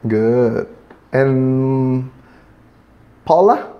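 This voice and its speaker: A man's voice: medium pitch, animated, very slow, highs cut off. A man teaching an English class, patiently drilling a student with prompts and switching between two languages.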